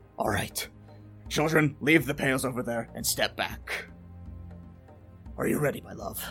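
A man performs a put-on character voice at a moderate pace, with long, frequent pauses. Clear music plays in the background. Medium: actual play. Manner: warm, steady.

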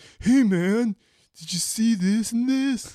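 A put-on character voice pitched fairly high. The pace is fairly slow. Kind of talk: casual.

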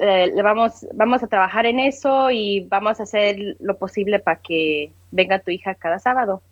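This woman talks at a fairly slow pace with an English accent. Her pitch is medium, with ordinary variation. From California, US. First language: English (speaking Spanish). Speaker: professional golfer. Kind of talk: interview.

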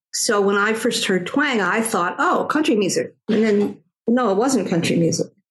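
A woman's fairly high-pitched, ordinary speaking voice with an American accent and ordinary pitch variation. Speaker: voice teacher. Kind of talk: interview conversation.

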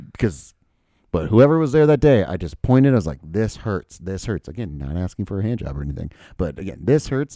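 A man's fairly low, dark, mellow voice moves at a fairly quick pace with very wide pitch swings. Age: 30s. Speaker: podcast co-host. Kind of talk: casual chat.

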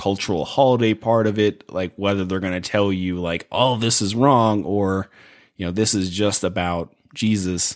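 With an ordinary speaking voice, a man talks at a moderate pace in a fairly low pitch, captured in a very clean recording with a silent background. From Oklahoma. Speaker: podcast co-host. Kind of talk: casual chat.

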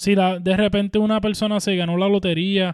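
The recording is very clean with a silent background and a dry, close sound with no echo. A man talks at a moderate pace. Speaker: podcast co-host. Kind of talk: casual chat.

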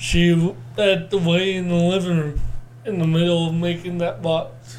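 The voice carries a Texan accent and moves at a very slow pace. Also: man. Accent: Texan Southern US. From central Texas. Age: 20s. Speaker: oil field worker. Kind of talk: testimony.

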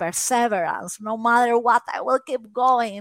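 Speaking at a fairly slow pace, a woman with a Peruvian accent uses a fairly high pitch. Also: dry, close sound with no echo. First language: Spanish. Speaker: physician and author. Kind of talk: interview. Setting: video call.

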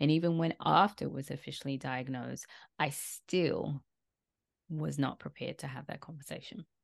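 A woman's very deep, low voice with vocal fry, big swings in loudness, ordinary pitch variation, and a moderate pace against a quiet background. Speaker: therapist and author. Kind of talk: interview.

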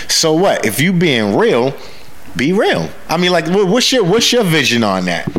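Talking at a fairly slow pace in an animated tone, a high-pitched man with an American accent shows very wide pitch swings and very even loudness, with audible room echo and noticeable background noise. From Boston, Massachusetts. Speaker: magazine interviewer. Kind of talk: casual interview.

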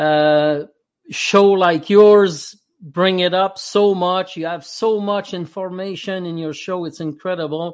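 Against a quiet background, a man with a French accent speaks very slowly in a high voice, keeping his intonation fairly even. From Quebec. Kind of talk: testimony. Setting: video call.

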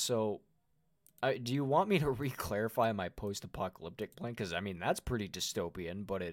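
A man with an ordinary speaking voice talks at a fairly quick pace with fairly low pitch and lively intonation. The recording is very clean, with a silent background. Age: 20s. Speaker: podcast co-host. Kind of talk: casual chat.

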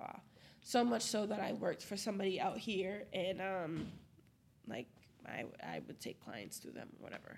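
The woman's medium-pitched voice carries vocal fry as she talks at a moderate pace. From Brockton, Massachusetts. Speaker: photographer. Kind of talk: casual interview.

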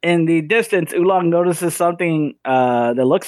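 A man with an American accent and a plain, everyday voice, fairly high in pitch, fairly quick, with lively intonation, on a very clean recording with a silent background. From New York City, the Bronx. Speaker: podcast co-host. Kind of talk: episode recap narration.

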